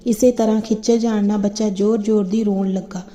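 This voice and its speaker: A woman reading a moral story for children aloud in a steady, even delivery. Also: mid-range voice, fairly quick. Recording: dull lo-fi recording.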